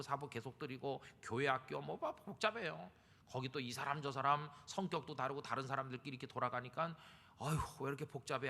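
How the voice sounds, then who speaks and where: Gravelly pastor preaching in echoing church. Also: male voice, medium pitch, a bit bright. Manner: emphatic, rising to fervent appeals. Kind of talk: sermon. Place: church sanctuary. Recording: long church reverb.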